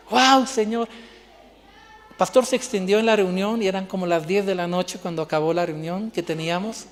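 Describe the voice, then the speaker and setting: Pastor preaching in a hall. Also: male voice, sits high. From Bolivia. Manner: animated storytelling, acting out dialogue. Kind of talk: sermon.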